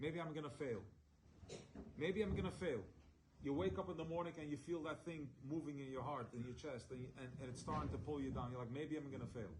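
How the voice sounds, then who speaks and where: In an American accent, a man talks at a fairly quick pace with a fairly high pitch and ordinary pitch variation, and audible room echo surrounds his voice. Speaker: Torah teacher. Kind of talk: Torah talk to live audience. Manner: fast; animated.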